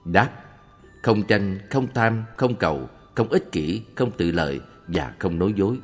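Deep-voiced man reading Buddhist answers. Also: lively intonation, measured pace. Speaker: reader of a monk's answers. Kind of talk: calm read-aloud Buddhist Q&A. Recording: long reverb with faint background music.

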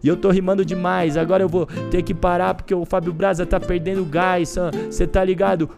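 A man's voice: high voice, flat delivery, fairly quick, gravelly. A man from São Paulo with a Paulistano accent, freestyle rapping boastful, playful rhymes over a beat. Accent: Paulistano Brazilian Portuguese. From São Paulo, Brazil. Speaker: freestyle rapper. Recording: music loud behind the voice.

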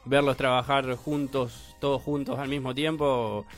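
A man with an Argentine Spanish accent, co-hosting a radio show in relaxed, rambling chat. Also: medium pitch, a little slow, faint music behind. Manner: relaxed, rambling, many restarts.

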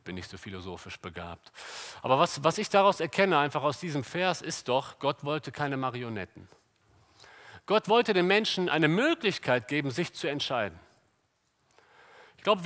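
A man preaching a sermon to a congregation, lively and often asking the listeners rhetorical questions. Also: fairly high pitch.

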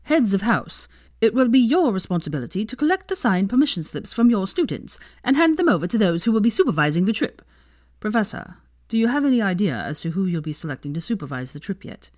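A woman voicing a stern older headmistress who gives orders in a brisk, formal way. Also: mid-range voice, very animated, darkish tone, dry recording, clean studio sound, voice pushed up, lightly acted.

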